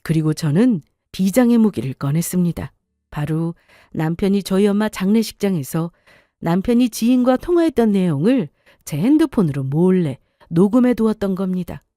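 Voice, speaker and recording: A woman narrating a first-person story in a calm, matter-of-fact scripted delivery. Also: mid-range voice, normal speed, no room sound, studio quality.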